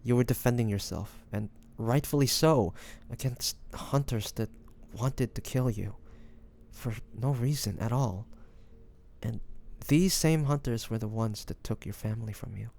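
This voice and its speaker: A man's voice: mid-range voice, measured pace, darkish tone. A man playing a devoted, anxious young man caring for a wounded loved one, tender and hesitant, in a romantic audio roleplay. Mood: tender, reassuring. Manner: tender, hesitant, breathy sighs, addressing the listener. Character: devoted, anxious young man tending his wounded dragon-shifter beloved.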